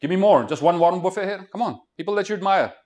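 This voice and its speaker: A man's voice: high voice, animated, fast, darkish tone. A middle-aged man with an Indian accent giving students a motivational talk, emphatic and exhorting, often firing questions at them. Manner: emphatic, exhorting, fires rhetorical questions at the audience. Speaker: motivational speaker.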